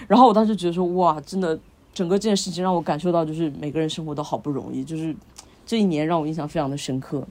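Fast-talking woman telling a story. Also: sits low, fairly even intonation, a little mellow. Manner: rambling, chains clauses with fillers. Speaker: podcast co-host. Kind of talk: casual storytelling chat.

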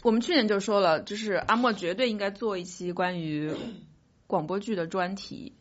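A woman's voice: medium pitch, normal speed, dull audio. A woman co-hosting a podcast, speaking in casual conversation. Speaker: podcast co-host. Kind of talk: casual chat.

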